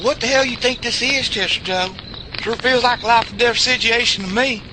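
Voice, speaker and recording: A man's voice: extremely high pitch, moderate pace. A man playing a sarcastic, hot-headed backwoods fellow with a twangy Southern US accent in an audio drama. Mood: alarmed, annoyed. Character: hot-headed, sarcastic rural Southern good ol' boy. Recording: clear outdoor ambience noise behind voice.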